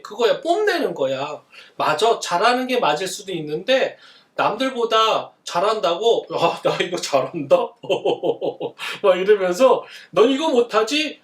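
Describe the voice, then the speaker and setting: A male pastor giving a children's sermon, asking the kids questions and answering them himself in an animated way. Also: sits high, roomy sound, recorded from a distance. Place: church.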